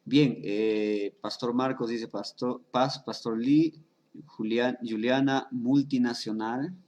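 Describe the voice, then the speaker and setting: A man's voice: medium pitch, steady tone, slow, a little mellow. A man who is a pastor, hosting a church live stream and reading viewers' comments and greetings aloud. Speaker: pastor and host.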